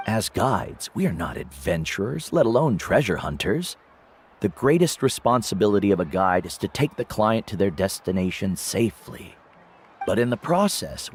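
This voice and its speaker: Game mentor: older tribal guide, low expressive voice, kindly and measured, light music underneath. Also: male voice. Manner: measured, earnest, explanatory. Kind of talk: scripted game dialogue. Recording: background music under the dialogue.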